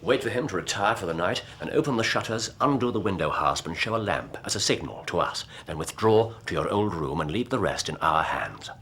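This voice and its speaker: An actor playing a sharp, commanding middle-aged detective in a radio drama, precise and clipped. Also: male voice, low-pitched, animated, a little fast, few pauses, breathy edge, heavily acted.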